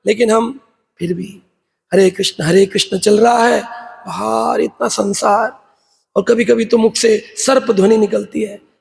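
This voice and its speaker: A man giving a devotional sermon in a temple hall, emphatic, asking rhetorical questions and breaking into sung verses and loud chanting. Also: sits high, steady tone, measured pace, creaky. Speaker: preacher. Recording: long hall reverb.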